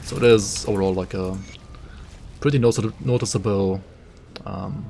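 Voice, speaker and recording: Low-voiced man streaming a game. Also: fairly even intonation, normal speed, creaky, mellow, slight background noise. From Germany. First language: German. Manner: casual, thinking aloud, many "like" fillers. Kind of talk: live gameplay commentary, reading chat.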